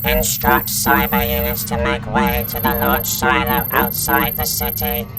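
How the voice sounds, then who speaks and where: A man voicing cold, emotionless cyborg invaders in a science-fiction audio drama, giving clipped, monotone orders through robotic processing. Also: medium pitch, unhurried, gravelly, music in the background, rough recording. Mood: cold, commanding.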